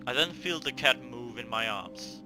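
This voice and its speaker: A man hosting a gaming video reads a visual novel aloud in a theatrical way, tripping over words and muttering to himself between lines. His medium-pitched voice is animated and at normal speed, with music behind it.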